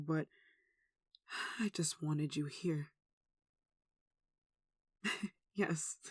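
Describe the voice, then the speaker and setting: A performer playing a devout, tender human devoted to a demon in an ASMR roleplay, speaking softly and earnestly with emotion. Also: mid-range voice, dry recording, studio quality. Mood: devoted, relieved. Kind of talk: ASMR roleplay, one-sided dramatic dialogue.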